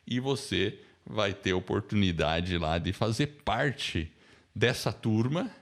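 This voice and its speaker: A man's voice: on the low side, expressive, slow pace. A man with a Brazilian accent hosting a casual online class in an informal, chatty way, often tacking on tag questions. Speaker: host, podcasting teacher. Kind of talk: casual live online class chat and promotion.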